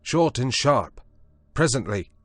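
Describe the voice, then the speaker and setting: A desperate young castaway shouts and pleads, refusing to back down, as a male reader puts him on. The voice is pushed up from a deep, slow base and carries loud and close in a dry space. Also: animated, no echo. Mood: scornful.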